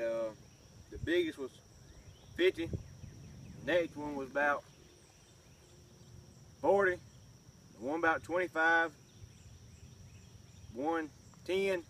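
A man's voice: on the high side, fairly bright tone, far from the mic. Folksy man on a night riverbank. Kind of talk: casual outdoor vlog narration. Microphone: phone camera held nearby. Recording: faint outdoor noise, crickets.

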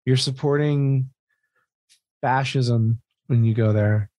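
A man's voice: medium pitch, fairly even intonation, slow pace, mellow, no room sound. An American man co-hosting a podcast in casual comedic chat, swearing freely and repeating words emphatically as he explains. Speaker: podcast co-host.

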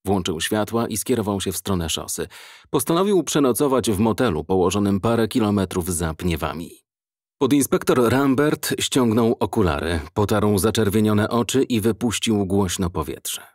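A man reading an audiobook in measured, even scripted narration. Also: lowish voice, no room sound, clean studio sound.

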